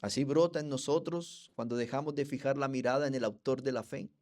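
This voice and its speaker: A male Colombian preacher delivers an expository sermon in a Colombian accent. He speaks with fervor and turns often to the congregation as brothers. His voice sits at a middling pitch for a man. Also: steady tone, brisk, darkish tone. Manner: fervent, addresses the congregation as brothers. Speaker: pastor.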